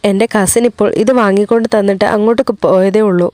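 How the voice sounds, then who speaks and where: A woman's voice: mid-range voice, fairly even intonation, quick pace, darkish tone, no room sound, studio quality, lightly acted. Woman voicing an evasive young wife. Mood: defensive. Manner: defensive, excuse-making.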